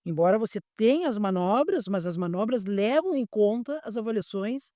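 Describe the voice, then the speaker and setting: A man's voice: high-pitched, animated, moderate pace, warm tone, dry recording, studio quality. A man, an airline pilot examiner explaining things patiently in a podcast interview and often repeating words as he searches for them.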